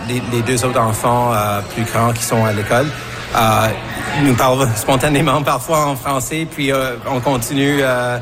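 A man from Montreal whose first language is English, answering interview questions in a hesitant way with many fillers and restarts. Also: mid-range voice. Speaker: parent interviewee. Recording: music playing behind.

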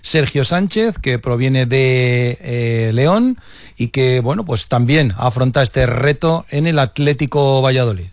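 A man presenting regional sports news on the radio, measured and pausing with frequent fillers. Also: mid-range voice, expressive, no room sound, studio quality.

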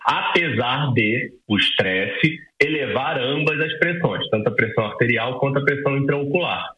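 A Brazilian man in his forties speaks as an ophthalmologist, explaining with homely comparisons and checking in with a quick "tá?". His voice is bright and forward. The line sounds dull and roomy, as if it were picked up by phone in an echoing room. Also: mid-range voice, lively intonation, soft background music. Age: 40s. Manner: explains with everyday analogies, adds "tá?" tags. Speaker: ophthalmologist guest. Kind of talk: explaining to a lay audience in a radio interview.

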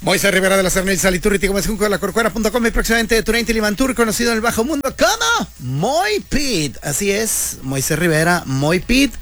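Joking radio host, slightly high. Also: male voice, very animated, fast, few pauses, fairly bright tone, faint music behind. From Mexico. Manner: joking, slangy, playful banter. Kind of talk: casual comedic radio monologue.

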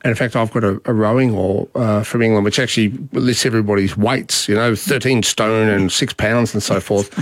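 A middle-aged Australian man hosting a radio talkback show in a relaxed, chatty way, often repeating words as he restarts. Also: on the low side, a little fast, hardly any pauses, no echo. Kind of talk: casual talkback chat.

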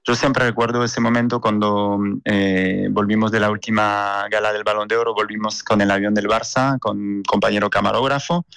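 A man's voice: fairly low pitch, level tone, normal speed, few pauses, a bit bright, clean tone, no echo, clean studio sound. A man in his forties, a sports journalist from France with a mixed French and Argentine accent, answering interview questions with many fillers and repeats. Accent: French and Argentine mix.

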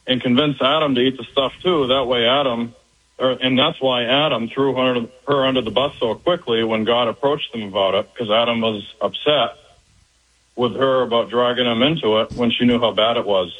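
A man calling in to a radio show over the phone, asking his question casually and thinking aloud as he goes. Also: medium pitch. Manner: curious, thinking aloud as he asks. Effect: phone call on the radio. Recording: tinny phone line.

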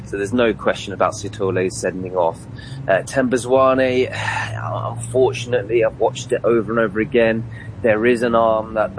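A man, a former player, giving measured football analysis with many fillers and restarts. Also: on the low side, background noise.

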